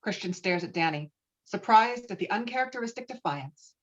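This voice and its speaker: Woman reading script directions, mid pitch, kinda muffled lo-fi sound. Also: expressive, normal speed. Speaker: stage directions narrator. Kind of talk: scripted screenplay narration. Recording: dull, muffled remote-call audio.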